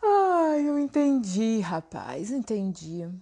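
Lady doing a sly old monkey guy, calm and teasing, storybook voice. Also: a little high, slow pace, full character voice. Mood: coaxing. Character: old teasing male monkey lying on the path.

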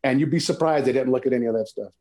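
A man's voice: medium pitch, racing, a little mellow. A man who works as an actor, talking as a guest in a casual chat and telling emphatic anecdotes.

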